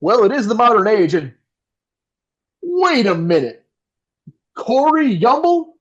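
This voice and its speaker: An actor playing a polished, wry and nervous live radio host in an audio play, with a theatrical announcer delivery. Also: male voice, extremely high pitch, very animated, unhurried, breathy edge, dull audio, heavily acted. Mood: wry, showy. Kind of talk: old-time radio play acting.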